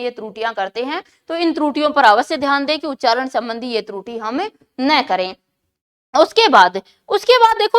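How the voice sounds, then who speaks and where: A woman's voice: sits high, a bit bright. A woman teaching an exam-prep lesson who keeps asking questions and answering them herself, repeating key words for emphasis.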